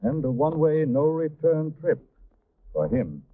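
An actor playing a calm, assured detective explaining a case in measured old radio drama style. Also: male voice, a little high. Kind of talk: 1940s radio drama acting. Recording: tinny, narrow old radio recording.

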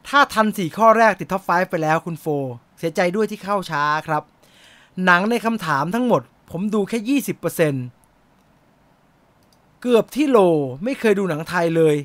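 A man's voice: sits high, animated, normal speed, a bit bright, no echo. A man hosting a live movie quiz stream, announcing winners and teasing viewers in casual chat. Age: adult. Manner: playful, teasing, joking asides with laughter.

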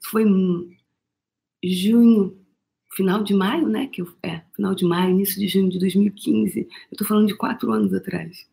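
A woman's voice: medium pitch, fairly even intonation, fairly quick, creaky, hardly any pauses, dark tone. A middle-aged woman with a Brazilian Portuguese accent, giving a live motivational talk. She speaks emphatically, often calls the listener "meu amor" and swears now and then. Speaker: motivational coach.

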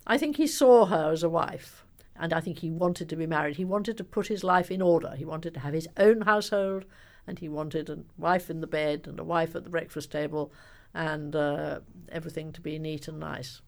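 An older woman, an author answering questions in a relaxed interview, telling stories with emphatic energy and frequent ums. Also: low-pitched, moderate pace. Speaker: biographer and author being interviewed. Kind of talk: conversational interview.

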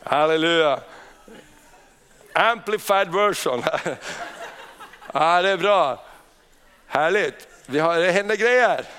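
A man's voice: sits high, fairly bright tone, smooth. A man preaching a sermon in church, telling a personal testimony story with frequent hallelujahs and amens. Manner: storytelling, frequent "hallelujah" and "amen", tag questions.

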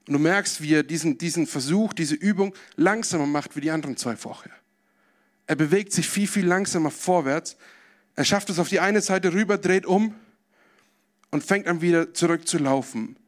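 A male preacher telling a story in a sermon, vividly, and addressing his listeners directly. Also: on the high side.

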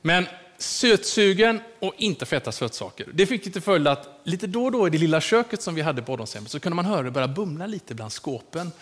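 A man's voice: on the high side, sing-song. A man giving a sermon, leading into his point with a personal story told in a loose, conversational way. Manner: storytelling, warm anecdotes, many fillers. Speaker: preacher. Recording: long echoey hall reverb.

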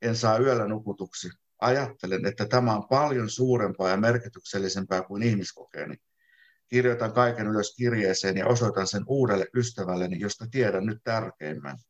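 Male author, low voice, steady literary reading, muffled lo-fi sound. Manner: calm, measured first-person narration. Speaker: author reading his own text. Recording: dull lo-fi sound.

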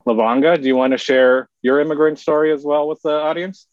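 A man born in South Korea hosting a podcast, speaking in a measured, polished way. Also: on the high side, steady tone, dry recording. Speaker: podcast host. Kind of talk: scripted podcast intro and chat. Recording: slightly dull lo-fi audio.

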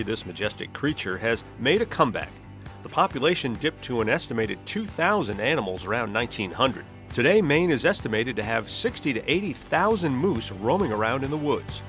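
A man's voice: mid-range voice, a bit bright. A man hosting a podcast, reading scripted narration in the manner of a nature documentary. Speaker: podcast host.

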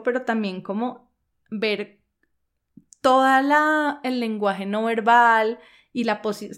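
A woman podcast host teaching coaching skills for leaders, explaining step by step and often checking in with a questioning "¿sí?". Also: medium pitch. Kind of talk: instructional podcast talk.

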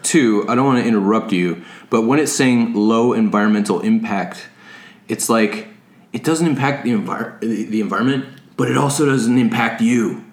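A man co-hosting a casual podcast, tossing in dry, deadpan quips. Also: lowish voice, moderate pace. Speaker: podcast co-host. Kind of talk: casual chat. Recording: roomy echo.

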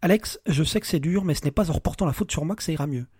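A man voicing a middle-aged wife who answers quietly and with restraint, tired of the same argument. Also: a little high, rapid-fire, husky. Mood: pleading. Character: calm, weary wife, middle-aged woman.

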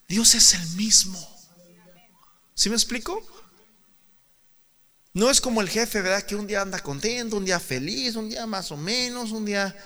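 Bright, high-voiced man preaching. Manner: emphatic, swings from quiet to shouting, rhetorical questions. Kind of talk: sermon. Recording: reverberant hall.

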